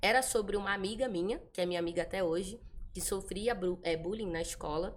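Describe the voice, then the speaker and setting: A woman speaks in a Rio de Janeiro accent. Her voice sits at a medium pitch with ordinary variation. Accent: carioca, hissing S. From Brazil, Rio de Janeiro (carioca). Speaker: children's book author. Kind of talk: interview.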